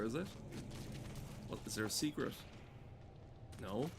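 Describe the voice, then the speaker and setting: A man's voice: medium pitch, a bit bright, slight background noise. A man giving casual, rambling gameplay commentary in a sardonic, exasperated and sweary way. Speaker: game streamer.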